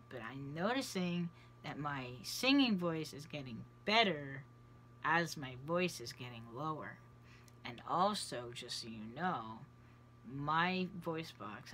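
Slow-talking trans man, voice mid-change. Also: medium pitch, bright, forceful tone, slight background noise. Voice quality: voice in transition on testosterone. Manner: unhurried, often trails off into a near whisper. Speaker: vlogger. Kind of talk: casual chat to camera. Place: small cluttered bedroom indoors. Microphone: camera close at face level.

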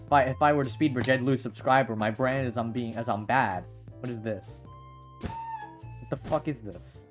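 A man doing casual Minecraft gaming commentary, excitable, swearing often and stammering through restarts. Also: mid-range voice, normal speed, music in the background. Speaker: Minecraft YouTuber.

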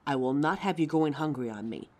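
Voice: medium pitch, expressive, fairly quick, close to an everyday voice. A performer playing a caring, anxious young werewolf partner in a roleplay audio drama, tender and fussing, stammering when flustered. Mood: worried, insistent.

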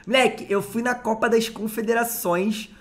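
A man's voice: extremely high pitch, fairly even intonation, moderate pace. Young male streamer, loose and joking, commentating a card game live from a home desk mic. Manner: chatty, joking, slangy asides.

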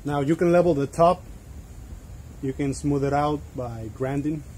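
Casting: young male DIY vlogger, lightly higher-pitched, plain how-to delivery, faint background noise. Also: unhurried. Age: young adult. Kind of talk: step-by-step tutorial narration.

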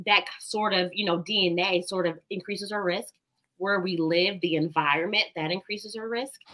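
A woman's voice: mid-range voice, fairly even intonation, normal speed, sharp tone, low-quality recording. A woman in her thirties, a doctor guest explaining health facts confidently over a video call from home.

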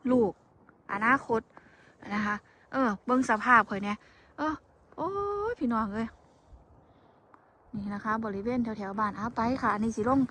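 A woman's voice: fairly high pitch, steady tone, moderate pace, long pauses, bright, forceful tone, slight background noise. A woman with an Isan accent, chatting casually to her viewers and complaining at length, addressing them as siblings. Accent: Isan (Northeastern Thai). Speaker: vlogger. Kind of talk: casual talking vlog to viewers. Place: outdoors walking in the cold.

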